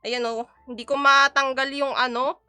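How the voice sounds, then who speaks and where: A young woman with a Filipino accent chatting on a cooking stream. Her voice is bright and clear, a little higher than most, and she talks in a playful, chatty way. It sounds like a dry room with faint music in the background. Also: flat delivery, normal speed, no room sound. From Philippines. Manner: playful, chatty, switching between Tagalog and English. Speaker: VTuber streamer. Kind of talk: casual live-stream chat while cooking.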